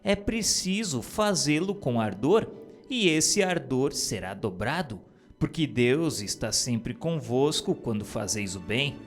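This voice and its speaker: Slow earnest guy reading religious stuff aloud, kinda preachy, faint music behind. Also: medium pitch, sing-song. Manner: exhorting, measured and earnest. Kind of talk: solemn reading of a religious text.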